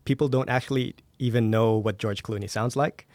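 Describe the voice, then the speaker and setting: A man's voice: medium pitch, steady tone, fairly quick, a little mellow, no room sound. A man speaking as a podcast guest, explaining things conversationally with examples and check-in tags in a studio. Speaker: podcast guest, media entrepreneur. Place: recording studio.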